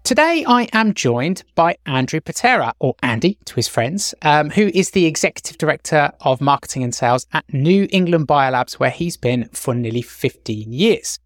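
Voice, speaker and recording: A man's voice: on the high side, very animated, normal speed, hardly any pauses, no echo, studio quality, soft background music. A man hosting a podcast, introducing his guest in a friendly way with some fillers. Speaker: podcast host. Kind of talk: conversational interview.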